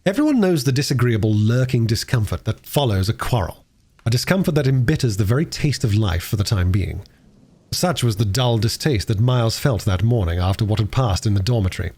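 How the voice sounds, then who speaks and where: Man giving an animated book reading. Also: fairly low pitch, fairly quick. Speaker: audiobook reader and livestreamer. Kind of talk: expressive reading of a classic novel.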